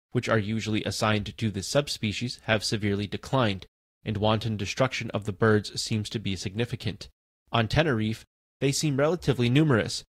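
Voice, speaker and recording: A man reading an encyclopedia article aloud in a steady, even manner. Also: mid-range voice, no echo. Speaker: volunteer article reader.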